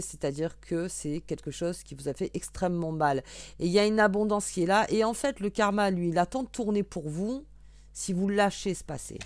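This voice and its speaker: A woman's voice: lowish voice, darkish tone, no echo. A woman giving a casual, chatty card reading, thinking aloud with fillers and restarts while she draws cards. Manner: shuffling and drawing cards while talking. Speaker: tarot reader.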